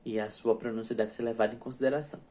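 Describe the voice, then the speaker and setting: A young man explaining grammar in a loose, conversational lesson. He restarts his sentences often and keeps checking in with his students as he goes. His pitch sits in a middle range for a man. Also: little pitch movement, rapid-fire, warm tone. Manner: chatty, many restarts and checks like "ok?" and "tá?". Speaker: English teacher. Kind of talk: casual spoken grammar lesson.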